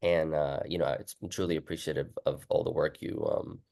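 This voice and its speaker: A man's voice: a bass voice, fairly even intonation, fairly quick, gravelly, a little mellow. A man hosting a casual interview, talking informally and often acting out his own past remarks as he goes. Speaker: interviewer, book author. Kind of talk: casual chat.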